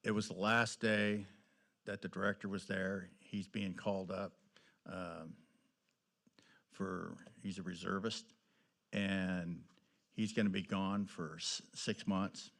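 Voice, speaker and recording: A man's voice: low voice, little pitch movement, takes it slowly, vocal fry, pauses often, fairly bright tone. A man serving as mayor pro tem, chairing a council meeting and giving informal reports.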